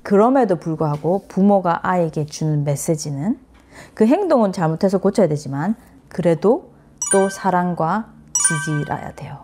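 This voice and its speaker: A woman's voice: fairly low pitch, lively intonation, normal speed, dark tone, faint music behind. A middle-aged woman psychiatrist giving a parenting lecture, speaking earnestly, acting out what parents and children say and mixing in English phrases.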